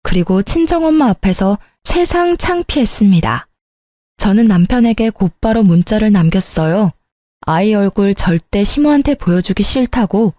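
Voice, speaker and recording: A woman reads out a true-life story in a plain, conversational way. Her voice is warm and mellow, recorded close and dry. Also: mid-range voice, dry recording. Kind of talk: scripted narration of a true story.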